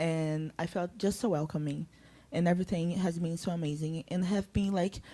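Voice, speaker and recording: A woman speaks with a Brazilian Portuguese accent at a fairly low pitch. Her tone is dark and mellow, and her pace is moderate. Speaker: researcher and workshop facilitator. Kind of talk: thank-you speech. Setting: community bookstore event with audience.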